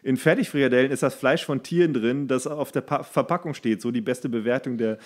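A man in his thirties co-hosting a relaxed podcast, his voice sitting in an ordinary middle register. He laughs easily, trips over words and corrects himself as he reads aloud, and he keeps the banter rolling. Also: medium pitch, a little fast. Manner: chatty, laughs often, stumbles and self-corrects while reading aloud. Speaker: podcast co-host. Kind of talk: casual chat.

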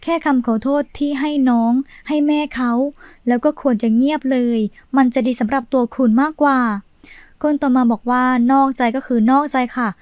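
A woman with a high voice reads viewer comments aloud as the channel's host. Her delivery is steady, with a brief pause before each new comment. The sound is dry and close. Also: no room sound.

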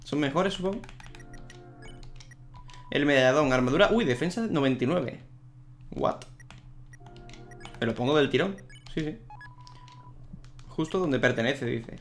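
Chatty Spanish gamer over game music. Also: male voice, a little high, animated, unhurried, long pauses. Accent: Spain. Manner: chatty, reacting out loud to the game. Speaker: gaming youtuber. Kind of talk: let's play commentary.

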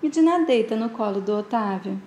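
Woman host, brisk casual recap narrator, slightly high voice, recorded in an echoey room. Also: expressive, dark tone. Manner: brisk retelling, quoted lines voiced with some feeling. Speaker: channel host recapping a soap opera. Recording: roomy echo.

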